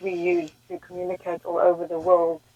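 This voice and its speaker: A woman with an Afrikaans South African accent speaks at a medium pitch and a fairly quick pace. The sound is dry and close, with no echo. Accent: Afrikaans South African English, West Coast. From South Africa, Melkbosstrand, West Coast. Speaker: musician. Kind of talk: interview.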